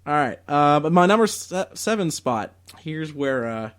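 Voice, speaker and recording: A man's voice: fairly high pitch, big pitch swings, a little slow, a bit bright, clean tone. A young man co-hosting a podcast, chatting casually and enthusiastically with lots of fillers. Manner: enthusiastic, laughs often, many fillers. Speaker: podcast co-host. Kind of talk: casual chat about video games.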